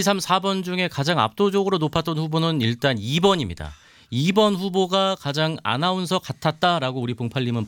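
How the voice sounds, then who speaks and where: A man hosting a live show, reading viewer comments and running a pronunciation game in a chatty, animated way. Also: fairly high pitch, smooth, dry recording. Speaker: show host. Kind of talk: lively live-stream hosting.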